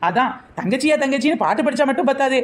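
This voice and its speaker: A woman doing a fast, sharp-tongued housewife. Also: high-pitched, expressive. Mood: sarcastic. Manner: sarcastic, snappy retorts. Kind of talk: cartoon comedy voice acting.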